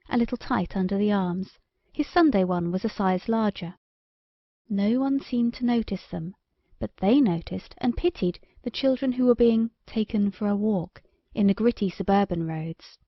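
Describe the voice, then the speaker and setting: A woman's voice: mid-range voice, no echo, highs cut off. A woman reading a children's story aloud as scripted audiobook narration.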